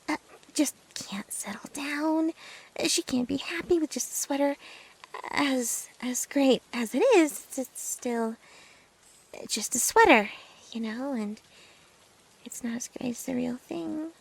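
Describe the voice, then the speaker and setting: A woman playing a nervous, lovesick and obsessive young female best friend in an ASMR roleplay, stammering haltingly as if confessing. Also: high-pitched, animated, gravelly, full character voice, rough recording. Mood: desperate longing.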